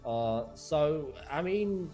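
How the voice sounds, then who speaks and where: A man co-commentating an esports match, measured and analytical, with frequent "you know" fillers. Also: a little high, lively intonation, dark tone, soft background music. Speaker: esports co-caster. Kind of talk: live game commentary.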